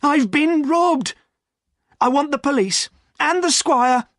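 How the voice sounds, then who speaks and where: A man's voice: very high voice, lively intonation, slow, fairly bright tone, no echo, clean studio sound, voice pushed up, exaggerated voice. A man voicing a desperate, robbed weaver who cries out and pleads for his money. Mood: frantic. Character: frantic robbed middle-aged male weaver.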